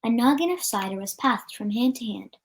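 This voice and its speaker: Higher-pitched female storybook reader. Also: lively intonation, a little fast. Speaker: storyteller reading a book aloud. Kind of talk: read-aloud storybook narration.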